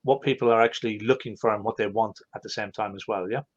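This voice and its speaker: A man with an Irish accent hosting a live online Q&A, animated and rambling, often correcting himself mid-sentence. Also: lowish voice, fast talker, dull audio. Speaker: host.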